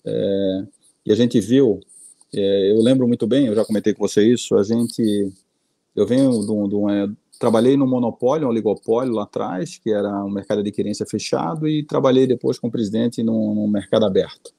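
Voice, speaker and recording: Brazilian panelist, middle-aged man, low gravelly voice, halting, repeats himself. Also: mellow, no room sound. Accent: Brazilian Portuguese. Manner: hesitant, repeats words, ends points with "tá?". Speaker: investor and board adviser. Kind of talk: panel discussion, conversational.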